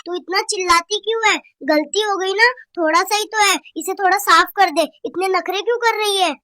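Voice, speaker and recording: A woman voicing a lazy grown-up husband in a cartoon comedy, whiny and quick to talk back. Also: very high voice, bright, forceful tone, no room sound, clean studio sound. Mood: defensive.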